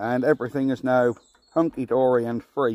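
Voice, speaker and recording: The tone is dark and mellow. The sound is dry with no echo, and the background is quiet. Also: man. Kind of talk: casual vlog chat. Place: garden. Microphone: phone near.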